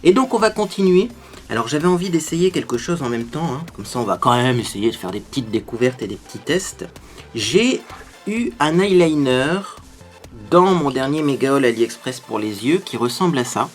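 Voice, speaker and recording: A man's voice: mid-range voice, expressive, brisk, soft background music. A man hosting a makeup tutorial, chatting to viewers as he explains each step. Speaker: beauty tutorial host. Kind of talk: casual makeup tutorial talk.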